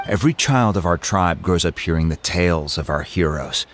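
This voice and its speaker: A man's voice: low-pitched, normal speed, a little hiss or hum, lightly acted. A man voicing a dignified, courteous male tribal chief who speaks formally and gets to the point in a game. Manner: formal, polite, direct. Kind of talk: game voice acting.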